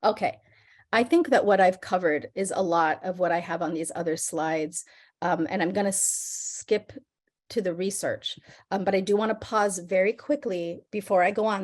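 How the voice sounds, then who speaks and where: A woman's unremarkable speaking voice at medium pitch with ordinary pitch variation, on a very clean recording with a silent background. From US Southwest, Tempe, Arizona. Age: 50s. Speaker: early childhood mental health researcher. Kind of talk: keynote lecture.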